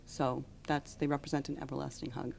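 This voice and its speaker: Deep, creaky-voiced woman being interviewed. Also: level tone, a little fast, darkish tone. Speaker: charity founder being interviewed. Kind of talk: unscripted interview answers. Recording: on-location audio with background noise.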